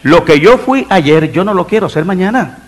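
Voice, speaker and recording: A middle-aged man preaching a sermon in church as pastor, building emphasis and dropping into soft asides. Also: high voice, animated, moderate pace. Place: church sanctuary.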